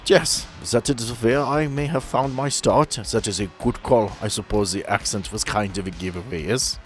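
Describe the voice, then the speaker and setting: A man's voice: on the low side, moderate pace, faint music behind, close to an everyday voice. A man voicing a polite older German doctor with a put-on German accent and a formal, probing manner. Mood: genial. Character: older thin male German doctor, genial.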